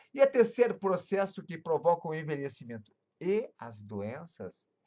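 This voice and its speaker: This man speaks at a high pitch. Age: 60s. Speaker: doctor. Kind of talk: live talk on health. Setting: live stream.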